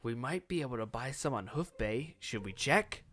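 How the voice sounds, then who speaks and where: A man voicing an excitable, melodramatic geeky male pony in a comedic fan fiction reading with music behind. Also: mid-range voice, normal speed. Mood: defeated. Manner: melodramatic, exclamatory. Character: excitable geeky adult male cartoon pony, easily panicked. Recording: background music under the voice.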